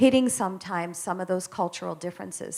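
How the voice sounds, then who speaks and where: A woman with an American accent has an unremarkable speaking voice. She talks at a fairly quick pace with lively intonation. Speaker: Indian American community leader. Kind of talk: panel discussion.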